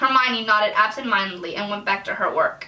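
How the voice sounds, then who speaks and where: The speaker has an American accent and lively intonation. Noticeable background noise runs underneath. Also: woman. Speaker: YouTuber reading her old fanfiction. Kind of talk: reading aloud with commentary.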